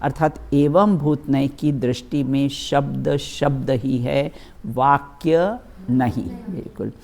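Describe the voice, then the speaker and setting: A woman's voice: rumbling low, gravelly, a little mellow. A woman teaching as a religious teacher, reading a scripture text aloud and explaining it with everyday examples, often checking with her listeners. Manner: slow, repeatedly checks with "है ना" and "बिल्कुल"; addresses listeners as children, gives everyday examples.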